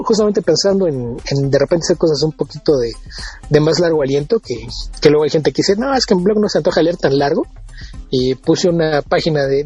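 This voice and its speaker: A very husky, breathy man with a Mexican Spanish accent talks in a relaxed podcast chat. He stumbles and restarts words as he goes, with faint music behind him. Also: on the high side, muffled recording. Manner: chatty, repeats and restarts words. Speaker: podcast co-host and blogger.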